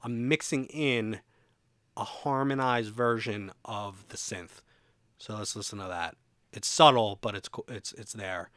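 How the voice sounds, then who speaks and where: A man's voice: lowish voice, unhurried, fairly bright tone, no room sound, studio quality. A man presenting a music production tutorial in an informal, conversational way, explaining things step by step.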